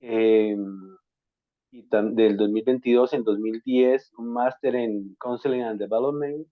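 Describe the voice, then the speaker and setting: A man from Colombia hosting an interview on a video call, courteous and measured with frequent hesitations. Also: mid-range voice, steady tone, dry recording. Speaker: interviewer, school counselor. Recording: dry, tinny call audio.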